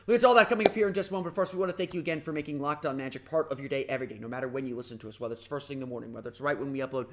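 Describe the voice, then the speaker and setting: A man hosting a casual sports podcast, talking energetically with a slightly raspy voice and frequent restarts. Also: medium pitch, racing, hardly any pauses. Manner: energetic, rambling with restarts and fillers. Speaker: podcast host.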